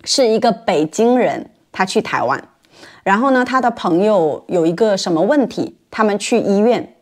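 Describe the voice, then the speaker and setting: A woman from mainland China hosting a casual podcast chat for Chinese learners, laughing often and getting animated when she tells stories. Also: medium pitch, moderate pace. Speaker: podcast host.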